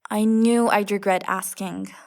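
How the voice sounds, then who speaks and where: A woman's voice: medium pitch, fairly even intonation, a little slow, gravelly. A woman playing a practical, wry young female adventurer in an audio comedy drama. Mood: exasperated. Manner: wry, no-nonsense. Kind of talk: audio fiction comedy acting.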